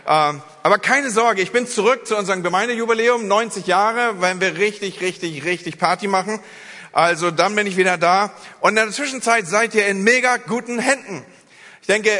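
A middle-aged man, the senior pastor, giving a live church sermon, speaking straight to the congregation with frequent checks like "okay?". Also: high voice. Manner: lively, addresses congregation directly with frequent "okay?" and "ne?". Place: large church hall. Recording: reverberant church hall.

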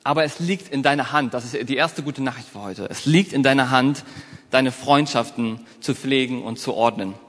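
A man giving a motivational talk, telling a personal story in a lively way and speaking straight to his listeners. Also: mid-range voice, moderate pace, big-room sound.

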